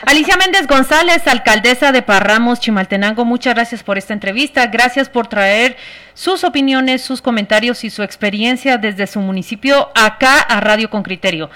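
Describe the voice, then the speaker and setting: A woman with a Guatemalan accent, hosting a radio interview and asking questions in a brisk, formal way. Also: fairly high pitch, pushed and bright. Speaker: radio host.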